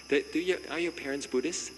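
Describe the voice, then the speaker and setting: A monk with a fairly high voice talks at a moderate pace as he welcomes visitors to the monastery, with background noise present. His manner is casual, full of jokes, chuckles and questions, and the recording sounds reverberant with faint ambience.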